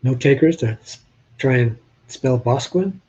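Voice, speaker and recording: A man's voice: mid-range voice, lively intonation, normal speed, dark tone, breathy edge, muffled recording. An older man from New Hampshire with a slight Southern drawl, chatting casually with viewers on a live stream and joking as he shows old photos. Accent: Southern US with New England traces.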